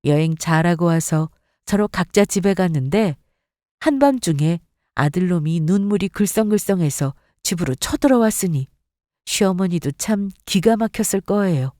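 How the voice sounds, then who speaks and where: A woman's voice: fairly low pitch, normal speed, dark tone, no room sound, studio quality. A woman narrating a dramatized first-person revenge story in a scornful, emphatic manner.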